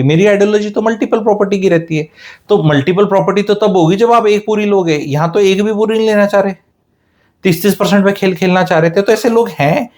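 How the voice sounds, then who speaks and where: A man's voice: fairly high pitch, a little mellow. A man giving a casual real estate talk, mixing Hindi and English and acting out quotes as he tells stories.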